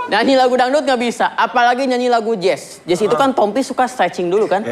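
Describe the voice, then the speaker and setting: A woman speaks very fast in a high voice at a very even volume, with noticeable background noise. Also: ordinary pitch variation. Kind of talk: comedic, colloquial.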